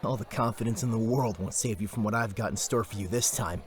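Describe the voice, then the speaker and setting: An actor playing a troubled, earnest and proud young jeweler's apprentice in a fantasy audio drama. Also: male voice, on the low side, quick pace, natural voice. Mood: startled, bantering.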